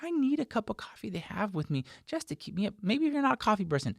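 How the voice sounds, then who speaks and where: With a high, gravelly, fairly bright voice, this American man in his forties talks quickly and very animatedly, hosting a conversational instructional session where he stresses his tips emphatically. He's a sound mixer using a desk mic right in front of him in a small post-production studio, with no room sound and studio quality.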